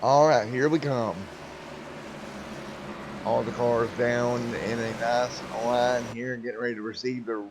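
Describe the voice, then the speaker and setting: Folksy guy calling a sim race, middle pitch, faint engine hum behind. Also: steady tone, measured pace, long pauses. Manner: folksy, drawling, says "Mister" before drivers' names. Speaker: race commentator. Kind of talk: sim racing play-by-play commentary.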